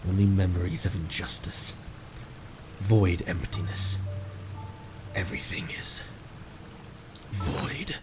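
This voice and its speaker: Man putting on a deep, gloomy, mournful spirit. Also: takes it slowly, long pauses, music in the background. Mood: bleak, mournful.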